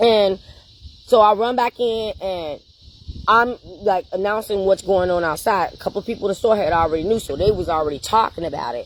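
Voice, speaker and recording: A woman talks fairly quickly with an American accent. Her voice sits at a medium pitch with ordinary pitch variation. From Chicago, US. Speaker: vlogger. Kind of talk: casual storytelling monologue. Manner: fast.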